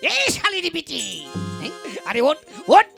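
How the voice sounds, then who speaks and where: A woman's voice: very high-pitched, big pitch swings, a little slow, vocal fry, exaggerated voice. A woman voicing a hysterical young husband in a comic folk puppet play, wailing and melodramatic. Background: folk instrumental music.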